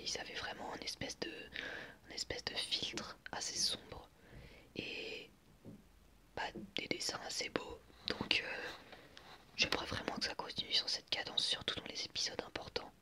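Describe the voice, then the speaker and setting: A young man whispering in a breathy, unvoiced voice as he gives ASMR commentary in a reflective, hesitant, rambling way. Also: pushed and bright. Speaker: ASMR video creator.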